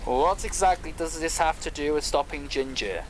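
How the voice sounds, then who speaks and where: A man's voice: on the high side, normal speed, slight background noise, close to an everyday voice, rough recording. A man playing a literal-minded, emotionless mechanical man, stiff and formal, in an audio drama. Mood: matter-of-fact. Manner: stiff, formal, uncontracted phrasing.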